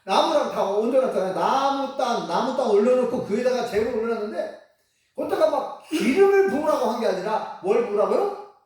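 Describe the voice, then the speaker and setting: A woman's voice: on the high side, fairly quick. A woman preacher telling a story in a sermon, asking the congregation questions and acting out quotes. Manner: animated, asks the congregation questions, acts out quotes. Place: church sanctuary. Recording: echoey church from far off.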